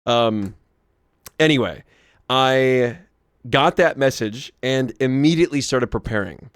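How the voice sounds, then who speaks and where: A hoarse young man vlogging, telling a rambling story to camera with many restarts and asides. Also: mid-range voice, dry recording, studio quality.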